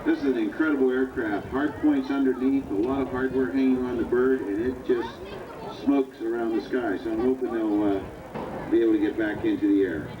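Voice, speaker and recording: A man's voice: mid-range voice, fairly even intonation, fairly quick, dull audio. Guy doing airshow commentary on outdoor pa, echoey and far off, noisy. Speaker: airshow commentator at a model aircraft event. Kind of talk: airshow commentator announcing over a PA. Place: outdoor flying field with grandstands.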